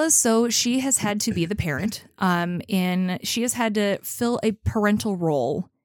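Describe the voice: This is plain reading aloud. The pitch varies in an ordinary way.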